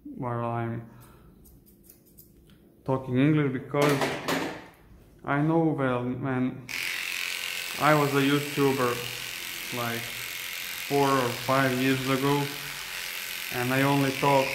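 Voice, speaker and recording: A young man with a Serbian accent, a dog groomer chatting casually while he works, halting and searching for English words. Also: medium pitch, little pitch movement, heavy background noise. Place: indoor grooming room. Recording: echoey room.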